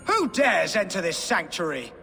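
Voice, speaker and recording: An actor playing a sanctimonious, indignant Christian friar in a video game, with a pompous, pious delivery. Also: male voice, high voice, sing-song, normal speed, gravelly, heavily acted. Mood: outraged. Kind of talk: theatrical video game cutscene acting. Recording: long hall reverb, faint music behind.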